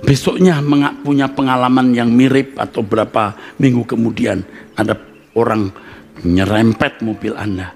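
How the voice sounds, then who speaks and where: A male pastor preaching a live sermon to a congregation, swinging between hushed asides and loud emphatic bursts and joking with the listeners. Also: mid-range voice, fairly even intonation, normal speed, vocal fry, soft background music. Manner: jokes with and teases the congregation. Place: church service with live congregation.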